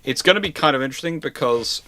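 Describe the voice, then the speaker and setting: A man's voice: medium pitch, lively intonation, quick pace, bright, forceful tone, slight background noise. A man hosting an informal question-and-answer panel, explaining his points emphatically and repeating himself for stress.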